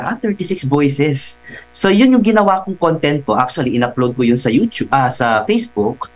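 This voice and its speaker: Man, voice artist guest, mid-pitched, animated, faint mains hum. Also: poor audio. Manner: animated, explains while slipping into voices. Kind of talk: casual radio interview.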